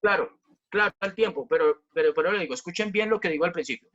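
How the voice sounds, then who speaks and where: A man's voice: high voice, fast, fairly bright tone, dull audio. A man teaching a physics class online, explaining step by step, repeating key points and asking the students questions.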